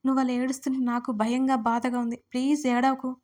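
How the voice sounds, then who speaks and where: A woman voicing a caring young man who gently teases and pleads with a friend in an audio story. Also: extremely high pitch, little pitch movement, a little fast. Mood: worried pleading. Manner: pleading, soothing.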